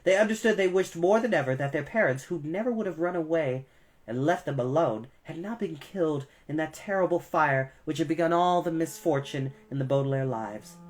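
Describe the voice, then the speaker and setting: A woman's voice: low voice, brisk. A woman with an American accent narrating a children's book as a storytime host, dramatic and given to wry asides. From Cleveland, United States. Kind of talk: expressive children's audiobook narration.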